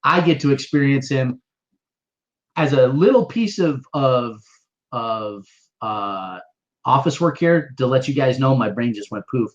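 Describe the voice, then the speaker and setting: A man hosting and producing an interview show, talking in an excitable, playful way. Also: measured pace. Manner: excitable, playful, jumps up and down in pitch. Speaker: podcast host and producer. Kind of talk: casual interview chat. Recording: slightly dull lo-fi sound.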